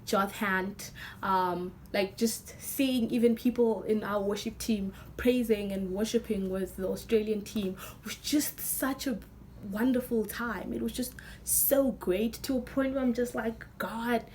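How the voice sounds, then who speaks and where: A young woman with a hoarse, nearly lost voice, talking excitedly and rambling with many fillers in a casual vlog. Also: fairly high pitch, a little slow, slight background noise, poor audio. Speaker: vlogger.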